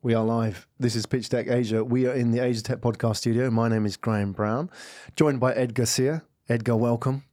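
A man hosts a podcast interview in a dry, close studio. His pitch sits in an ordinary middle range. He talks conversationally, leading into questions with loose asides and fillers. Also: fairly even intonation, brisk, few pauses, warm tone, dry recording. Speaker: podcast host.

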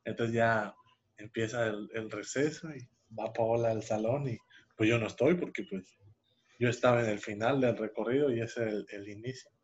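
A man's voice: medium pitch, normal speed. Young man telling a story, lo-fi. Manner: rambling, with many restarts and fillers. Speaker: podcast co-host. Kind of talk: casual storytelling. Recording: dull lo-fi sound.

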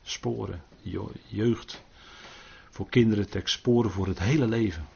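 A man's voice: lowish voice, measured pace, gravelly, darkish tone, husky, muffled recording. An older man leading an informal Bible study, earnest, often adding tag questions and restarting his sentences.

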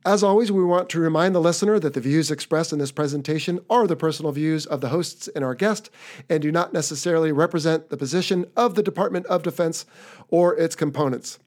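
A man's voice: on the high side, quick pace, a little mellow. An American man hosting a podcast, chatting casually and upbeat as he wraps up an episode. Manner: upbeat, chatty, wrapping up the show. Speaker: podcast host.

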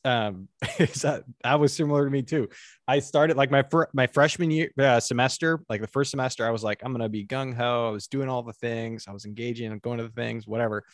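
A man's voice: medium pitch, no echo, clean studio sound. A young man chatting casually about college in a laid-back way, filling his speech with "like". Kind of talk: casual chat.

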